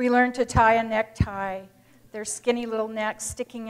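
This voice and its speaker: A woman's fairly high-pitched voice, fairly even in intonation and fairly slow in pace, an ordinary speaking voice. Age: 50s. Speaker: storyteller. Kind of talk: reading aloud.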